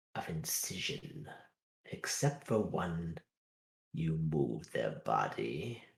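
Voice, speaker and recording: Putting on a character voice, a man speaks with a very deep, low pitch at a very slow pace, with long, frequent pauses. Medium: actual play. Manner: measured, knowing, faintly condescending.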